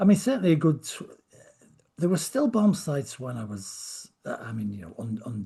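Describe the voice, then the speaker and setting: Speaking at a moderate pace, a man with a fairly high pitch sounds somewhat breathy. His dark, mellow tone swings very widely in pitch. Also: big swings in loudness. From Liverpool, England (Wavertree, south Liverpool). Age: 60s. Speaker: screenwriter and novelist. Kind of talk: casual interview chat. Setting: podcast recording.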